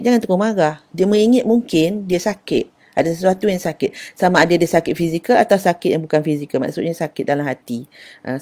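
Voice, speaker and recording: A woman's voice: on the low side, mellow. An older woman, giving an affectionate, casual talk on parenting and addressing her listeners as dear. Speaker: parenting speaker.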